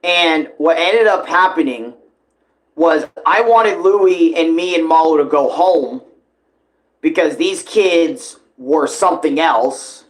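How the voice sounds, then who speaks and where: A man with a slightly high voice hosts a casual live reaction. He talks earnestly, repeating points for emphasis and swearing freely. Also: slow pace, low-quality recording. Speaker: reaction video host.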